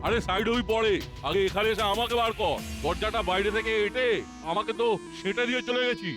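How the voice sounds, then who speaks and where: A man plays a scheming cartoon crook boss. His voice is high and quick, bossy and impatient, with music behind it. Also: natural voice. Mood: annoyed. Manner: commanding, impatient. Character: bossy, scheming male smuggling gang leader. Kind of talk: cartoon voice acting.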